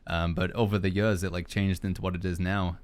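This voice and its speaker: Low-voiced man chatting as podcast host. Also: little pitch movement, brisk, smooth, no echo. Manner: informal, joking, rambling. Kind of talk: casual podcast chat.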